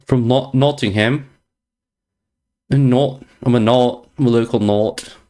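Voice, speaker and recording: A man's voice: medium pitch, steady tone, unhurried, mellow. A man streaming chess, chatting casually with viewers in a playful, teasing way, repeating jokey slang phrases. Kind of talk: casual chat reading viewer messages.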